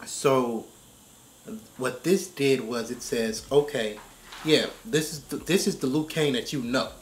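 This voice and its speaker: A man with a mid-pitched voice talks casually as a show commentator. He explains his points step by step, often checking that the others follow. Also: a little slow, slight background noise. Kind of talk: casual discussion of game story.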